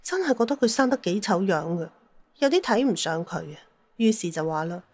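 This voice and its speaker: A woman's voice: mid-range voice, lively intonation, fairly quick, a little mellow, no echo. Woman narrating a Cantonese audio story.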